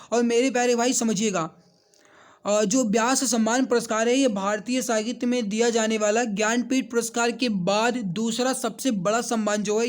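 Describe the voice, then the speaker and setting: A man teaching an online exam coaching lesson, walking through questions, repeating answers for emphasis and addressing viewers directly. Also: very high-pitched.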